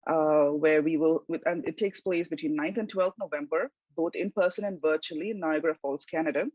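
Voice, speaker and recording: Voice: medium pitch, fairly quick, darkish tone, no echo. Dry-sounding formal panel host. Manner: polite, formal, with fillers. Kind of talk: moderating an online panel. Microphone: video call. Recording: dry, dull video call audio.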